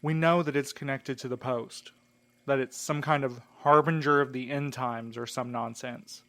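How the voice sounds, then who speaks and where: A man's voice: medium pitch, fairly even intonation, normal speed, bright, forceful tone. An actor playing a guarded, bitter man in an audio drama, questioning a captive in a terse, accusing, sceptical way. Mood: terse, suspicious.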